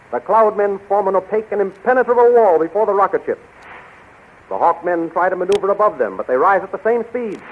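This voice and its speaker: A man's voice: high-pitched, narrow, tinny audio. A man narrating a 1930s radio adventure serial in an urgent, declamatory style. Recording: scratchy, thin 1930s radio recording.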